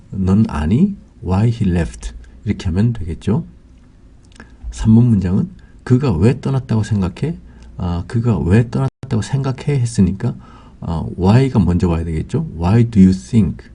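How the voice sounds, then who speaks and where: A man's voice: low voice, warm tone, slightly rough. A man teaching English grammar, explaining example sentences step by step with frequent "ah" fillers.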